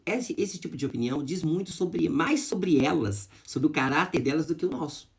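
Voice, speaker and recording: A man's voice: a little high, creaky. A man telling viewers a personal story of hardship and faith, talking straight to them in an emotional, heartfelt way. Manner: emotional, addresses viewers as "gente", religious. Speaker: vlogger. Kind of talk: personal testimony to camera.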